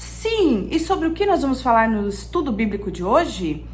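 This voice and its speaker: With very wide pitch swings, a woman speaks at a high pitch amid noticeable background noise and audible room echo. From São Paulo state interior, Brazil. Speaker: online Bible study teacher, psychoanalyst. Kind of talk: Bible study talk. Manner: slow.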